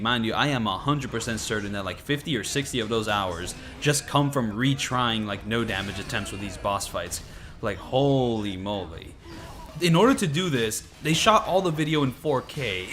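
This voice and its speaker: A man's voice: medium pitch, a bit bright. A man giving casual, rambling gameplay commentary, a little stuffy from a cold. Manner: rambling, lots of filler words. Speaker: gaming commentator.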